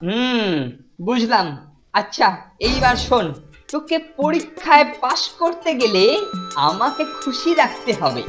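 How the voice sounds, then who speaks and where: With loud music behind, a sly teenage cartoon schoolboy. The voice is fairly high, bossy and wheedling, the talk of a schemer. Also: female voice, sing-song, measured pace. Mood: smug, bossy. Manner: wheedling, ordering others about. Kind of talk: Bengali children's cartoon voice acting.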